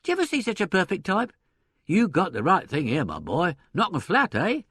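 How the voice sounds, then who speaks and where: A man voicing a hectoring, stout theatrical agent in an audiobook, bellowing in an excitable, brusque way. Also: a little high, a little slow, no room sound, clean studio sound, pitched above the performer's own voice, exaggerated voice. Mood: excited, triumphant.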